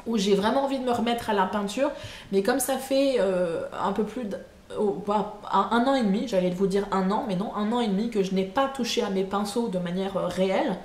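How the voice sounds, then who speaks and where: Her voice mid-range with a somewhat dark tone, a woman vlogs from home on camera for her monthly casual chat. She hesitates often, filling gaps and correcting herself, while the echoey room carries a low background hum.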